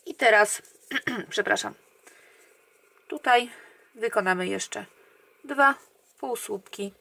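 A woman talks slowly and patiently through a crochet tutorial, counting each stitch under her breath. Her voice sits at a middle pitch, and she lets many counts fade down to near a murmur. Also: vocal fry. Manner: calm, counting stitches aloud, often trailing off quietly. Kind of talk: step-by-step crochet instruction.

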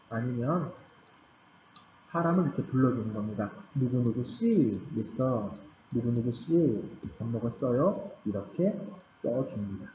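A man's voice: on the high side, warm tone. A man teaching a Korean language class to beginners, patiently repeating key points with emphasis. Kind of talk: recorded grammar lecture for beginners. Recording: roomy, slightly dull recording with faint background hum.

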